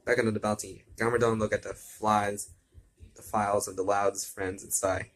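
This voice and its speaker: A man's voice: fairly low pitch, level tone, normal speed. A man reading fan fiction aloud with casual asides, often stumbling over words and repeating himself.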